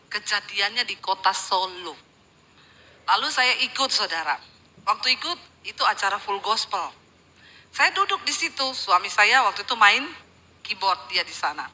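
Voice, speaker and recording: A woman's voice: mid-range voice, lively intonation, normal speed, long pauses, pushed and bright, low-quality recording. A middle-aged woman pastor, preaching a live church sermon, telling stories with acted-out quotes and jokes.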